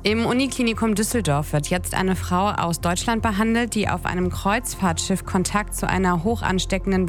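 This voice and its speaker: Calm woman reading radio news. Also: on the low side. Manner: calm, measured, even delivery. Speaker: newsreader. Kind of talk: read radio news bulletin. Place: radio studio. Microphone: studio microphone.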